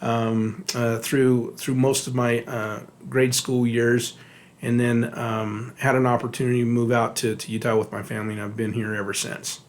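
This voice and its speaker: A man's voice: medium pitch, level tone, moderate pace. A middle-aged man from Texas, a recovery therapist co-hosting a podcast, talking casually with many fillers, restarts and repeated words. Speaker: podcast co-host, addiction therapist.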